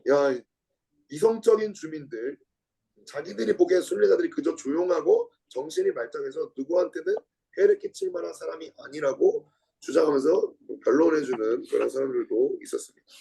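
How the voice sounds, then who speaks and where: A male lecturer teaches from a book, his fairly high voice gravelly and husky. He reads lines aloud, echoes key words back, and puts questions to his listeners. His tone stays mellow, and it jumps louder whenever he acts out a quote. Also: big pitch swings, a little fast. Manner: dramatizes quotes with sudden shifts in pitch and loudness; repeats key words from the passage, asks the audience questions. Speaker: Bible study lecturer.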